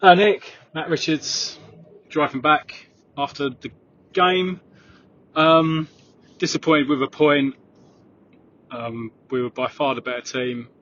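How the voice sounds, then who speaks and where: A man's voice: steady tone, takes it slowly, long pauses, a bit bright. A man leaving a casual fan voicemail for a podcast from inside a car. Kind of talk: casual spoken match reaction. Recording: dull lo-fi phone voicemail, car rumble.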